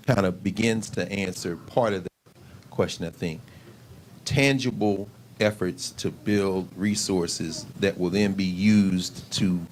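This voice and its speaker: A man making casual remarks at a community forum, with quick asides. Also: sits low, slight background noise, poor audio.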